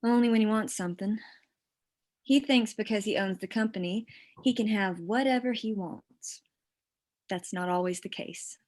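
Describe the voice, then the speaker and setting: A woman acting a wry store clerk in a drama table read. Her voice sits at an average pitch. She teases drily and flirts with easy self-possession. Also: normal speed, a little mellow, natural voice. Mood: wry, guarded.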